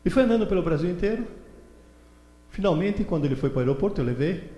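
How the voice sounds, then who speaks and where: A man's voice: high-pitched, lively intonation, fast talker, dark tone. Older man lecturing in an echoey hall. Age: 70s. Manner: storytelling with mimicked voices and indignant outbursts. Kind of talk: animated lecture to a seminar audience. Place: large hall with a stage. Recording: echoey hall recorded from far off.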